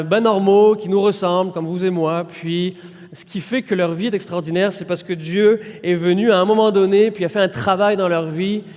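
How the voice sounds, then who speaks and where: A man in his thirties with a French accent speaks as a pastor, easy and conversational, with frequent pauses. His voice sits a little high. It carries a long reverb from a church hall. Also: darkish tone. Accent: French from France. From France. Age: 30s. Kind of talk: informal sermon introduction.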